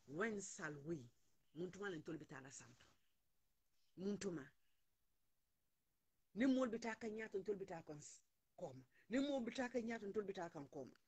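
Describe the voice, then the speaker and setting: A woman's voice: medium pitch, expressive, moderate pace, long pauses, breathy edge. A woman in her forties hosting a phone live stream, talking heatedly and repeating lines for emphasis. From Gambia. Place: indoors, small room, plain wall. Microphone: phone at arm's length.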